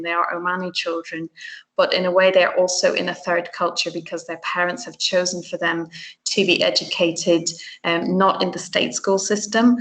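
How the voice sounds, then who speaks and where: Earnest, soft-spoken Irish-raised woman teacher. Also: on the low side, low-quality recording. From Ireland. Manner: thoughtful, earnest, many ums and restarts. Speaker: teacher presenting at a conference. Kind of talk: recorded conference presentation.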